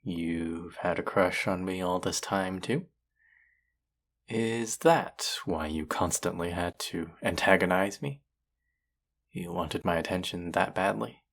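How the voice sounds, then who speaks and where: A man's voice: deep voice, slow, gravelly, a bit bright, full character voice. A man acting a cocky, teasing male chef in an intimate romantic audio roleplay, speaking to his rival and love interest. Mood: tender, playful.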